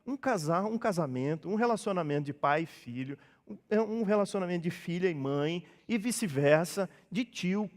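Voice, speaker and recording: A man's voice: high voice, a little mellow. A man from Brazil, a pastor, preaching a sermon in a conversational way and acting out little dialogues. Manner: conversational preaching, acts out dialogues in changed voices. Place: church hall. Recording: long church reverb.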